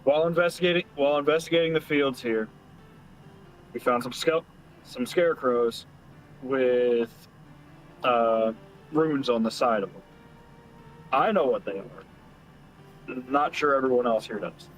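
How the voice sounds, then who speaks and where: A man's voice: medium pitch, measured pace, pauses often, a little hiss or hum, low-quality recording. A man playing a tabletop game in character, explaining things at length with some hesitant restarts. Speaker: player. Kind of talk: in-character tabletop role-play.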